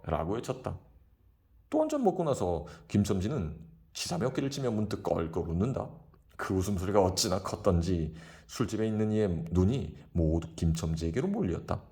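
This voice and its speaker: A man narrating a classic short story in a brisk, expressive audiobook reading. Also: sits low.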